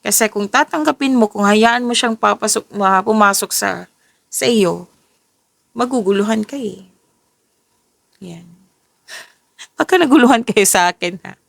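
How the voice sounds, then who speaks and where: A woman talks through a tarot reading, her voice a little worn and tired today. Her tone has a gravelly, creaky texture, recorded close and dry. She keeps catching herself and rephrasing as she goes. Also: medium pitch, unhurried, long pauses, dry recording. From Philippines. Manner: self-correcting, restarts and rephrases as she goes. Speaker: tarot reader. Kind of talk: casual tarot reading, mixing English and Tagalog.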